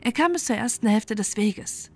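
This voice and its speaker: A woman reading a bedtime fairy tale as an expressive, measured storyteller. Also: a little high, soft background music.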